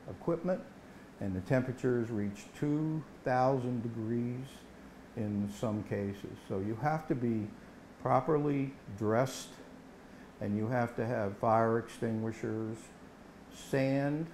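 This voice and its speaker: A man's voice: medium pitch, slow pace, a little mellow, slight background noise. A man in his sixties giving a plain-spoken, explanatory demonstration as a welding instructor, standing indoors in a workshop. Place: indoor workshop set, standing before a tool board.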